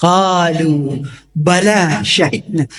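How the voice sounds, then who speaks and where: A man's high-pitched voice rises and falls with ordinary pitch variation. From Sulawesi, Indonesia. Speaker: Islamic preacher. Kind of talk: sermon.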